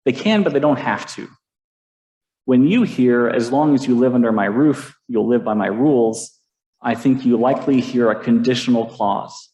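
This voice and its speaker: A man's voice: mid-range voice, warm tone, roomy sound, rough recording. A man preaching a sermon to his congregation, playful and self-deprecating, drawing the listeners into a call-and-response game. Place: church sanctuary.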